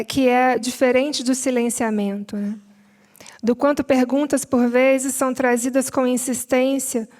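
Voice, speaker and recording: Flat-toned Brazilian woman reading a panel summary. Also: a little high. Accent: Brazilian Portuguese. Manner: measured, mixes read text with spoken asides and fillers. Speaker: seminar panelist.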